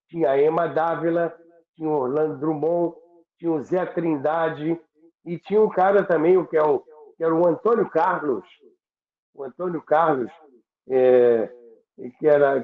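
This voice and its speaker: An older man tells radio history conversationally, in a halting, reflective, deliberate way. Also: on the high side. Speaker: radio history presenter, former radio worker. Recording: roomy, echoing phone-like narrow sound.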